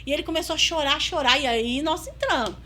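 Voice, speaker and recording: A woman's voice: high-pitched, fast talker, pushed and bright, slight background noise. A woman with a Brazilian Portuguese accent, a podcast guest in ministry, telling a story and acting out the dialogue in a casual chat.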